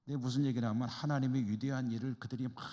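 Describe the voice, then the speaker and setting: A man's voice: mid-range voice, steady tone, very fast, dark tone. A man, a pastor from the Chungcheong region, teaching a church Bible study in a conversational way and asking the class rhetorical questions. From Chungcheong, Korea. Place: church hall. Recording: reverberant church hall.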